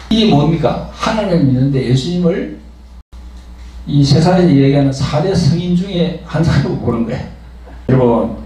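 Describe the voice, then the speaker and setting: A pastor delivers an emphatic sermon, throwing out rhetorical questions to his listeners. His voice is high and swings widely in pitch. It rings through a very echoey hall, heard from some distance off the mic. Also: a little mellow.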